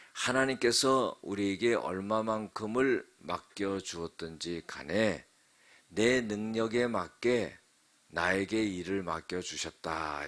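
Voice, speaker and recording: A male pastor delivers an early-morning sermon in a somewhat low voice. He speaks earnestly in measured phrases and addresses the congregation directly from a temporary church sanctuary. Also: a bit bright.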